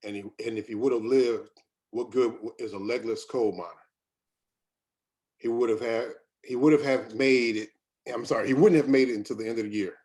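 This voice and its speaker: A man's voice: mid-range voice, fairly even intonation, fairly quick, a little mellow, natural voice. A man playing a weary, defensive company doctor, bitter and resigned, in a screenplay table read. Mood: guilty, weary.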